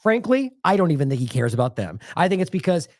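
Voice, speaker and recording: A man's voice: fairly high pitch, very animated, quick pace, darkish tone, no room sound, studio quality. An American man hosting an independent news show, delivering sarcastic, indignant commentary full of rhetorical questions.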